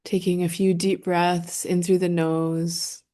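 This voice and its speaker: Slow, mellow woman guiding a meditation. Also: on the low side, level tone. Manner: gentle, unhurried, with long pauses between phrases. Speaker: guided meditation leader. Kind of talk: guided meditation, slow and soothing narration.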